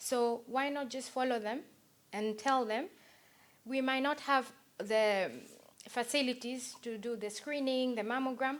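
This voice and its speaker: In an East African accent, a woman with a high pitch speaks fairly slowly, leaving long, frequent pauses. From Tanzania (Zanzibar). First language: Swahili. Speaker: doctor, pathology resident. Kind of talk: conference panel testimony. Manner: animated.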